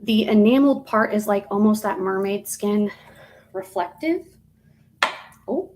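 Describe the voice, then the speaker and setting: A woman's voice: medium pitch, measured pace, darkish tone, rough recording. A woman hosting a live jewelry auction stream, chatting casually and rambling with fillers and self-corrections as she shows each piece.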